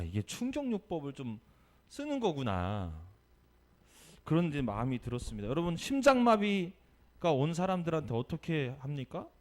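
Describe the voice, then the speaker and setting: A male pastor giving a Sunday sermon, telling a story with lively energy and asking the congregation questions. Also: a little high. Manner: animated storytelling, acting out quotes.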